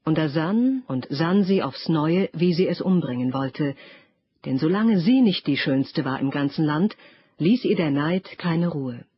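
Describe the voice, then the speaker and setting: Breathy woman narrating a fairy tale. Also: low voice, expressive, measured pace, muffled recording. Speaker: audiobook narrator. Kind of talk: scripted storybook narration.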